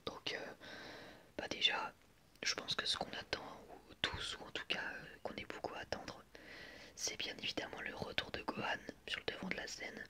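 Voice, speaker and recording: Un homme qui anime une vidéo ASMR, au chuchotement doux, avec un phrasé hésitant. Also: male voice, normal speed. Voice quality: soft unvoiced whisper. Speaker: host of an anime ASMR channel. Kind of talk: whispered ASMR commentary.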